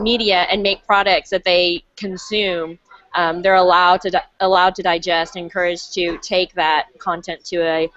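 Female teacher, mid-pitched, casual call chat, many ums, dull web audio. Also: a bit bright, dry recording. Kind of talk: casual video-call discussion. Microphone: video call.

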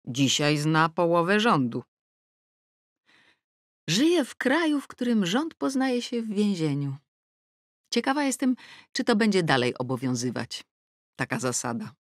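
A woman narrating an audiobook in the first person with a wry, ironic delivery and lively pitch swings, close to the mic. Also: no echo. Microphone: close studio mic.

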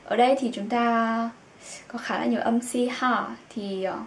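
A young woman teaching German to learners, explaining things and repeating each word slowly. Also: fairly high pitch, steady tone. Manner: explains in Vietnamese, says German words slowly and repeats them. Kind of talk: language lesson for Vietnamese learners. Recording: echoey room with faint background noise.

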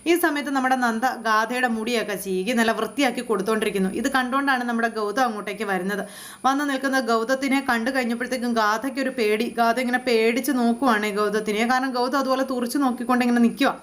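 A woman retelling a TV serial episode in a chatty, animated way, speaking straight to the listener. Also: on the high side, fast talker. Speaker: serial recap narrator.

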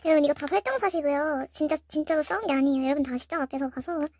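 A woman's voice: sits high, racing, a little mellow, no echo. A teenage girl hosting a video, chatting casually with a friend and narrating to viewers. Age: teens, about middle-school graduation age. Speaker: host of a slime-making prank video.

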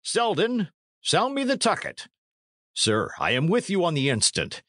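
A man's voice: high-pitched, huge pitch swings, measured pace, a bit bright, no room sound, clean studio sound, voice pushed up, heavily acted. A man reading a storybook as a blustering, imperious medieval knight who barks orders in archaic speech. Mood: brisk, commanding.

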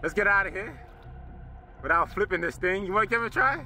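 A man in his twenties with an African American accent, chatting excitably outdoors for a vlog in a nervous, exclamatory way, often repeating himself. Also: high voice, fast talker, a little hiss or hum. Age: 20s. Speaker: vlogger testing a homemade boat. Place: outdoors on a wooded pond.

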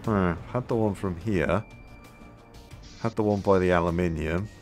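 A man musing aloud as he plays a game, his voice a little hoarse, with many fillers. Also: low-pitched, measured pace, a little mellow, faint music behind. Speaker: gameplay video host. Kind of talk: casual gameplay commentary.

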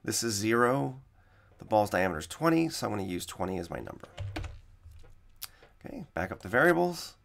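A man with a slightly raspy voice teaching coding in a screen-recorded tutorial, explaining each step and repeating the key points. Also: lowish voice, very animated, brisk, long pauses, a bit bright.

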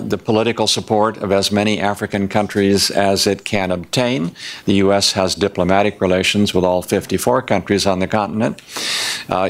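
An older man with a fairly low voice speaks on a panel at a conference table. He sounds measured and methodical, working through numbered points one by one. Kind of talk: prepared policy talk.

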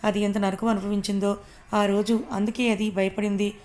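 A woman's voice: mid-range voice, level tone, moderate pace, darkish tone, close to an everyday voice. A woman voicing a fierce middle-aged mother who defends her daughter in a defiant, scolding way.

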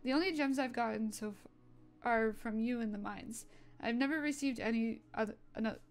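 A drowsy, irritable young jeweler, put on by a woman narrator, who grumbles through his questions in an annoyed tone. He sounds put out at being disturbed. Soft music runs behind him. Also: a little high, normal speed, natural voice. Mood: defensive. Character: grumpy, sleepy young man jeweler. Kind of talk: narrated role-play story.

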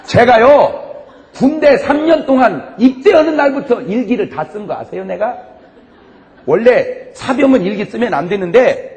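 A man preaching a humorous revival sermon as a pastor, telling animated stories with frequent laughter. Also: very high voice, normal speed, some chatter behind. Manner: animated storytelling with frequent laughs and shouted punchlines. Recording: long hall reverb, faint background noise.

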